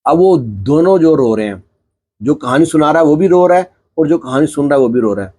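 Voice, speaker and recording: A man's voice: fairly high pitch, lively intonation, dark tone. A man narrating a moral story in an earnest, heartfelt way, stepping into the characters' dialogue as he goes.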